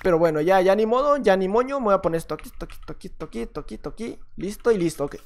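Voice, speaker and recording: A man's voice: high voice, racing. Mexican-accented male gamer, jumpy running commentary, loops little phrases, a faint hiss underneath. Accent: Mexican Spanish. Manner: excitable, repeats short phrases over and over, talks to himself. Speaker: gaming youtuber. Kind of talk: live gameplay commentary.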